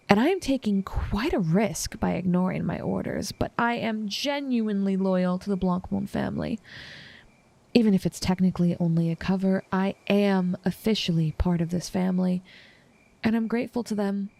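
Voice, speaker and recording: In an intimate audio roleplay, a woman plays a smug, obsessive assassin smitten with her target, speaking in a teasing, formal, measured, and menacing way. Her voice is medium-pitched, creaky, and darkish, with no room sound.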